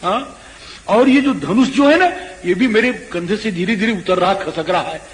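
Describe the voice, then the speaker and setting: A man giving a devotional scripture discourse. He talks in an animated way and chants verses slowly. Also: high voice. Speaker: religious storyteller. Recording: echoey hall with faint noise.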